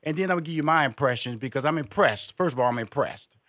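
A man's voice: medium pitch, expressive, quick pace, a bit bright, no echo, studio quality. A man hosting a radio interview, enthusiastic and given to repeating words as he starts a thought. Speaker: interview host.

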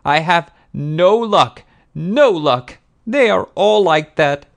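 A man acts out a big, malicious peasant woman from a storybook. The voice is a very high, shrill falsetto that swoops about with wailing melodrama, loud and volatile. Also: lively intonation, slow, gravelly, heavily acted. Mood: tearful, self-pitying. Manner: wailing, melodramatic, screaming when angered. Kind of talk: acted audiobook character dialogue.

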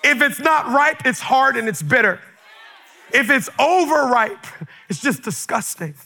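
A man raised in the Caribbean, preaching a sermon to a congregation in church, fervent, with bursts of shouting and quick stammered repeats of words. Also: extremely high pitch, animated, gravelly, poor audio. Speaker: pastor. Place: church sanctuary with a live congregation.

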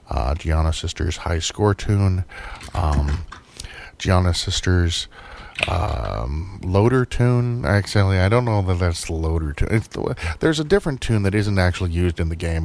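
A man's voice: low-pitched, a little hiss or hum. A man hosting a casual radio show, rambling with dry jokes while losing his voice. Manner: rambling, dry joking, many hesitations. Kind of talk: casual chat.

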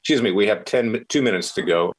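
Deep-voiced male host, combative and blunt, talks over guests. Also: quick pace, low-quality recording. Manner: forceful, interrupting, blunt. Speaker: talk show host. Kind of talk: combative political talk.

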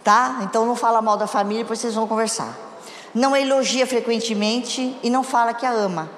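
A woman's voice: fairly high pitch, steady tone, fast talker, slight background noise. A woman giving a conversational sermon on marriage to a congregation, often asking them questions. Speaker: church speaker. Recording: echoey hall with long reverb.

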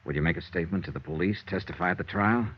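An actor playing a tough but tender private investigator who narrates a 1950s radio drama in a steady, reassuring way. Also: male voice, low voice, rapid-fire, slightly rough. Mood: gentle. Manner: steady, reassuring, hushed when comforting. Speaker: narrator and lead. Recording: dull old radio broadcast, faint hiss.

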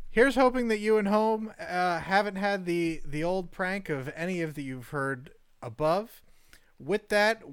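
A man's voice: on the high side, smooth, no room sound. A man hosting a podcast, wrapping up the episode in an easygoing way. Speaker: podcast host. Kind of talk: podcast sign-off.

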